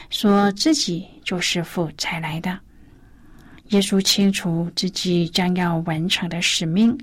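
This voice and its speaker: A woman hosting a Christian radio devotional program, reading and preaching gently, often sliding into breathy, whispered phrases. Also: on the low side.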